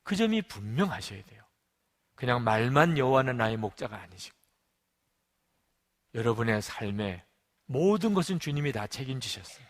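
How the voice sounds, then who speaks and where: A man preaching a sermon as pastor, telling a story and moving between raised, forceful lines and quiet, hushed ones. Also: medium pitch, sing-song, normal speed, long pauses, in a large hall. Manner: storytelling with acted quotes, swings between loud and hushed. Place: church sanctuary.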